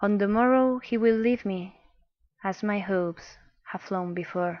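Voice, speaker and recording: Her intonation stays fairly even as the woman talks at a very slow pace. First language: non-native English speaker. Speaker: amateur reader. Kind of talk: poetry reading.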